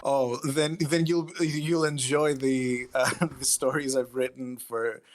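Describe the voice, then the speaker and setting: A man with a medium-pitched voice chats as an interview guest. He explains himself casually and thoughtfully, in a somewhat halting way, like a writer talking about his work. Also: steady tone.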